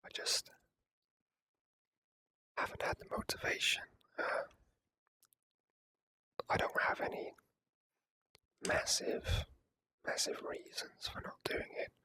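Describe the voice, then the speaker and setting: A person whispering hesitant, rambling ASMR commentary while playing a video game, close to the microphone. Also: poor audio.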